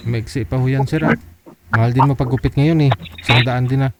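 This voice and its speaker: A man's voice: medium pitch, fairly even intonation, fairly quick, background noise. A man hosting a live call-in chat, politely steering callers and asking them to turn their volume down. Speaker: host of a live call-in matchmaking show. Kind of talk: casual live-stream chat.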